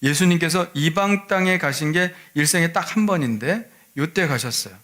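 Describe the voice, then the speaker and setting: Male pastor, sermon delivery, fairly high voice, storytelling style with rhetorical asides. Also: lively intonation, moderate pace, a bit bright. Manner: storytelling, rhetorical questions to the congregation.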